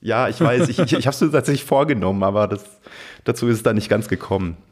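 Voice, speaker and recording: A man's voice: lowish voice, expressive, fast. A man co-hosting a podcast, chatting in an enthusiastic, informal way. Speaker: podcast co-host and hobby drone pilot. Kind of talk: casual podcast chat.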